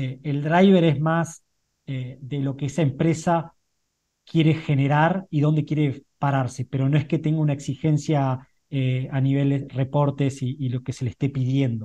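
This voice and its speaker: A man's fairly high, somewhat breathy voice, dark and mellow in tone, in a Rioplatense accent, with fairly even intonation at a fairly slow pace. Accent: Argentine Spanish (rioplatense-style, voseo). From Argentina, southern Patagonia. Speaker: startup founder and CEO. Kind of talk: interview.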